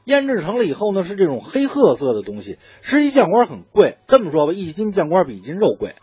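This time the guest food writer with a Beijing accent talks fast in a high-pitched, warm voice with huge pitch swings and a breathy edge. He explains traditional dishes colloquially, posing his own questions and then answering them, on a muffled, dull lo-fi recording without room sound.

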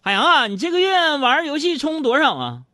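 A man putting on a high, needling wife. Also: huge pitch swings, a little fast, sharp tone, no echo, clean studio sound, exaggerated voice. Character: nagging wife with a pointed reply.

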